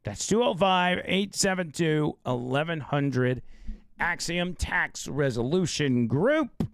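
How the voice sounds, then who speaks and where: A male talk show host with a gravelly, slightly hoarse voice, chatting loosely and reading an ad. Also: a little high, animated, slow pace, no room sound, clean studio sound. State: losing his voice. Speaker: radio and live-stream show host. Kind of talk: casual live talk show with read ad.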